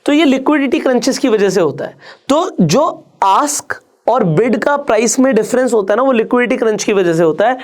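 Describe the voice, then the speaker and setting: A man's voice: extremely high pitch, expressive, brisk. A man, a stock market educator, giving an online trading tutorial, talking straight to the viewer and explaining step by step with rhetorical questions. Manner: conversational, addresses the viewer directly.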